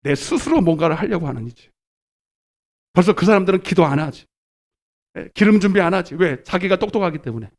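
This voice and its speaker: Animated male pastor preaching live. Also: sits high, a little fast, long pauses. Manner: animated preaching, calls congregation to repeat, swings from shouts to murmurs. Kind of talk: live sermon. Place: church sanctuary.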